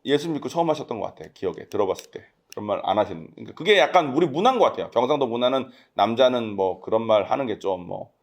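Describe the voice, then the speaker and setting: A man's voice: mid-range voice, animated, racing, few pauses. A talkative man with a Gyeongsang accent, preaching a casual, conversational sermon and often checking in with his congregation. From Gyeongsang region, South Korea.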